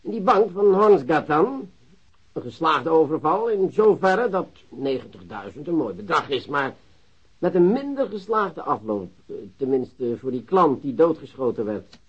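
A sly police commissioner in a radio drama. His voice is fairly high and husky, swinging widely in pitch as he feigns politeness. The recording is slightly dull. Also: very animated, heavily acted. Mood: insinuating. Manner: unhurried, hesitant, falsely polite. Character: sly, mock-courteous police commissioner interrogating a suspect. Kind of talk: Dutch radio play acting.

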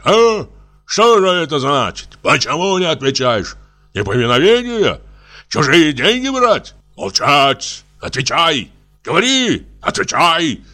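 A man's voice: husky, heavily acted. A man voicing a bullying rural gendarme who barks orders in a piercing voice. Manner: shrill shouting orders.

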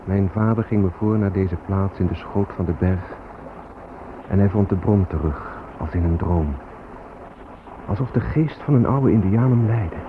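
Bitter Native American, lowish voice, solemn, declamatory, radio drama, clearly noisy recording. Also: male voice, a little slow, phone-quality sound. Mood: elegiac. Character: proud, bitter Native American man, mourning lost land.

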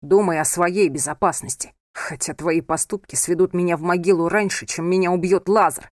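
A woman reading aloud and voicing an angry, controlling young husband who scolds his wife in a low, hard tone. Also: steady tone, moderate pace, no echo, clean studio sound, close to an everyday voice. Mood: scolding. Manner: harsh, scolding, hard-edged.

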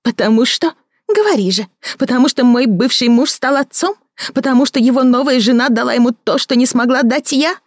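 Female reader doing a shrill jealous woman, scornful, overwrought, dry close sound, audiobook. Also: animated, fairly quick, no room sound. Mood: bitter. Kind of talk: audiobook character voicing.

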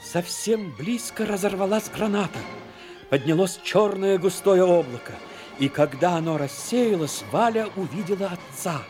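A man's voice: high-pitched, expressive, normal speed, a little mellow. A man reading scripted literary narration for a dramatic audio play. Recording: music under the voice.

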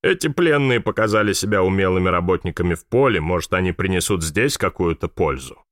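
A man voicing a stiff, self-important English army sergeant in an audiobook, staying close to his own deep voice. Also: lively intonation, fairly quick, fairly bright tone, dry recording. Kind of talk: audiobook reading.

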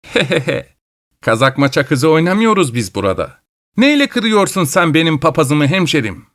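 A man voicing a shrill, screechy old witch who cheats at cards and taunts her opponent. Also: big pitch swings, normal speed, fairly bright tone. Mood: mocking. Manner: mocking and taunting. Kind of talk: storytelling.

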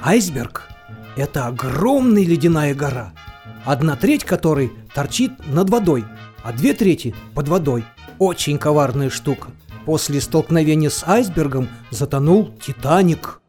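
A woman's voice: sits low, animated, normal speed, dark tone, faint music behind. A woman giving scripted narration in an audio play, reading out dictionary-style entries.

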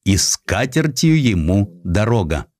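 A man's voice: on the low side, very animated, measured pace, a little mellow. A man voicing a proud, embittered army general in a historical audiobook, emphatic and declamatory. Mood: scornful. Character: defiant, embittered 19th-century Russian general, proud and brooding.

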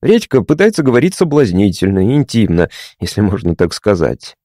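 A man voicing a touchy young male patient who talks matter-of-factly and takes offence quickly. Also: on the low side, sing-song, mellow, no echo, studio quality. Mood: explaining.

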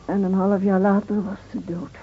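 An actress playing a bitter, grieving village wife in an intense, emotional radio drama. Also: female voice, medium pitch, level tone, normal speed, breathy edge, natural voice. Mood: subdued. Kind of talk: Dutch radio drama acting. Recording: muffled, phone-like old radio recording.

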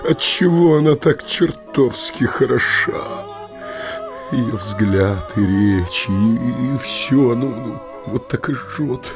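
An actor playing a lovesick, impulsive young village blacksmith in a theatrical audio drama, musing dramatically aloud to himself. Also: male voice, mid-range voice, creaky, full character voice. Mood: anguished despair.

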